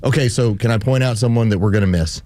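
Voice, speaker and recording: A man's voice: medium pitch, quick pace, warm tone. A man hosting political talk radio, giving emphatic commentary with a sarcastic edge and mock quotes. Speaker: radio show host.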